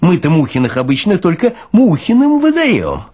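A man's voice: high-pitched, wildly swooping pitch, moderate pace, a little mellow, husky, voice pushed up, exaggerated voice. A man voicing a burly, smirking senior morgue orderly in an audiobook, with a folksy, mocking, philosophizing way of talking. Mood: needling, insistent. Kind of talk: dramatized audiobook character reading.

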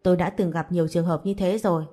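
A blunt young father, voiced by a woman. He lectures in a curt, firm tone, and the voice sits low and mellow. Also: fairly even intonation, fast, close to an everyday voice. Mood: stern.

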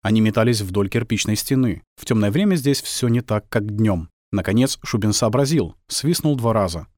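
Мужчина читает аудиокнигу, рассказывая выразительно. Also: male voice, on the low side, moderate pace, no room sound, studio quality. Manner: expressive storytelling. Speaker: audiobook narrator. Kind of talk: audiobook narration.

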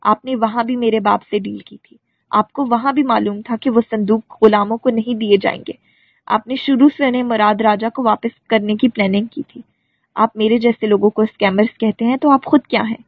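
A furious young woman tears into the man she once trusted, as a woman storyteller voices her. The voice is husky with a gravelly edge and sits a little high. The audiobook recording is dry and tinny. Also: fairly even intonation, dry recording. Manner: furious, accusing, tearful. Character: defiant young woman confronting her leader.

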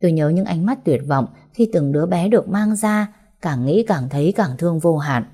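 A woman's voice: lowish voice, expressive, normal speed, mellow, slightly rough. A woman narrating a first-person audiobook story in a sorrowful, heartfelt way. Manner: sorrowful, heartfelt emotional reading.

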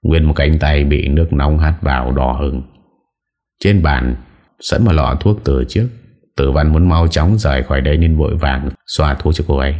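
A man's voice: rumbling low, moderate pace, darkish tone. A man voicing a scheming young wife who whines through sobs in a storybook reading. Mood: coaxing. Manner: whiny, sobbing complaint.

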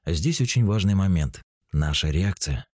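A man in his forties calmly explaining spiritual ideas, speaking straight to the listener as narrator of a self-help book. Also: low-pitched, a little slow, no room sound, clean studio sound. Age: 40s. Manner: calm, explanatory, addresses the listener directly.

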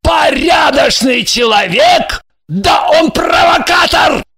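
This is an enraged man who barks and hurls insults, as a woman narrator puts him on. His words come slow and heavy, in a bright, tense, forceful tone. His pitch lurches high and low. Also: expressive, gravelly, slightly rough, some chatter behind, exaggerated voice. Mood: furious. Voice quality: barking, enraged shouting. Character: furious man, yelling at his drunk partner.

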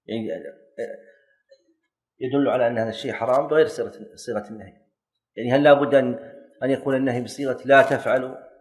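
A man gives a classroom lesson. He quizzes his students, corrects them and jokes lightly. His voice is mid-pitched. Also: steady tone, fast, long pauses. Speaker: teacher of Islamic jurisprudence.

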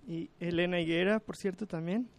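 Man, high voice, radio host, hesitant, lots of fillers. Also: fairly even intonation, normal speed. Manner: hesitant, many fillers and restarts. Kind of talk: casual radio talk.

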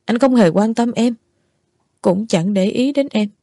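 A woman's voice: fairly high pitch, a little slow, mellow, no room sound, clean studio sound. A woman voicing a drunk, petulant young man who accuses his lover of not caring, in a storybook reading. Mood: accusing. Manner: sulky, accusing reproaches.

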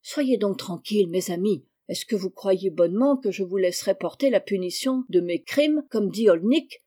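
A woman reading an audiobook, voicing a clever, mischievous orphan boy who speaks calmly and with self-assurance. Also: medium pitch, moderate pace, close to an everyday voice. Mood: assured. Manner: calm, self-assured, soft.

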